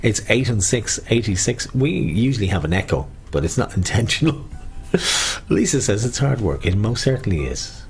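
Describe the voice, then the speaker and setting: A man's voice: on the low side, sing-song, moderate pace, gravelly. A man working as a bingo caller, chatting with players and calling numbers with rhyming nicknames, repeating each one. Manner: chatty, bantering with players and co-host.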